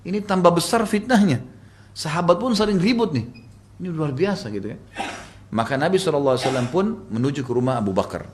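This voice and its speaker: A man's voice: a little high, animated, fast talker. Male preacher telling stories casually. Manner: conversational storytelling with casual fillers. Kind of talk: religious study lecture.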